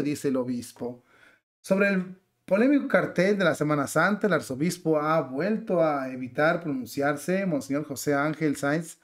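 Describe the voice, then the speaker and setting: A man giving indignant religious commentary, reading out a news report and then arguing his case with pointed rhetorical questions. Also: on the high side. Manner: outraged, emphatic.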